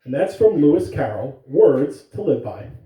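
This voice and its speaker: Gentle storybook-reading woman, echoey room. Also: low voice, sing-song, moderate pace, far from the mic. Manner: gentle storytelling, coaxing a child to look. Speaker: school staff reading aloud. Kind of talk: morning announcements and picture-book read-aloud.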